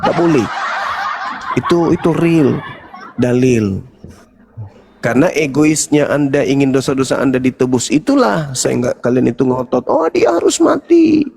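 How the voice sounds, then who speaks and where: A male preacher giving a sermon in an animated, mocking way. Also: medium pitch, normal speed, vocal fry, pauses often, breathy edge. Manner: animated and mocking, acts out crowd chants.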